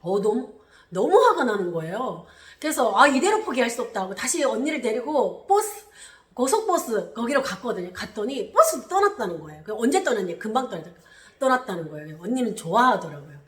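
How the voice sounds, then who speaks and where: A woman from Korea, telling a personal story on her channel in an animated way. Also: brisk, roomy sound. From North Korea. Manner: animated, re-enacts quotes with loud high bursts. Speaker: channel host.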